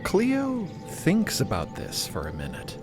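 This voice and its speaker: A man narrating a scripted fiction podcast as an expressive storyteller. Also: sits high, takes it slowly, music in the background. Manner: expressive, present-tense storytelling.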